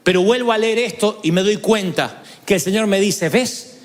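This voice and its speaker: A man preaching a sermon, telling stories with quick asides and slow, emphatic phrases. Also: high-pitched, long reverb tail.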